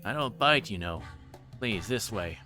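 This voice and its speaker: A man's voice: fairly low pitch, animated, a little slow, bright, forceful tone, soft background music. A man voicing an old detective from a visual novel, politely insistent and probing.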